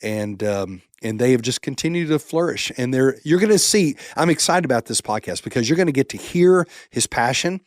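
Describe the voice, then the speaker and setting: Upbeat pastor co-hosting a podcast. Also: male voice, mid-range voice, animated, brisk, hardly any pauses, no echo, clean studio sound. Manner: upbeat and enthusiastic. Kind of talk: casual podcast chat.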